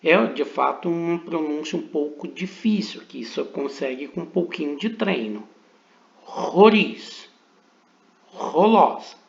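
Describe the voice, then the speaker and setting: A man with a Brazilian Portuguese accent teaching a recorded lesson, pronouncing each syllable at a very slow, deliberate pace. His voice sits a little high for a man. The recording is roomy and dull, like a lo-fi room capture. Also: animated, creaky. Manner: slow, deliberate pronunciation drills with repetitions. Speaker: Greek teacher.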